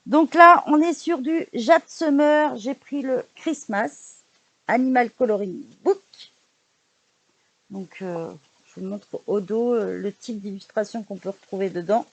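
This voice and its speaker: A woman's voice: on the high side, measured pace, highs cut off. A woman vlogger in casual chat, showing books she bought, hesitant with frequent fillers and restarts, recorded indoors at home. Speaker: vlogger showing a book haul.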